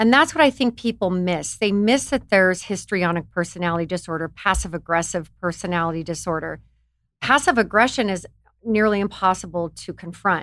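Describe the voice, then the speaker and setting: A woman with an American accent has an unremarkable speaking voice at a medium pitch and a fairly quick pace. The recording is very clean, with a silent background. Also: ordinary pitch variation. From Colorado, US. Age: 50s. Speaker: psychologist. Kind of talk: interview.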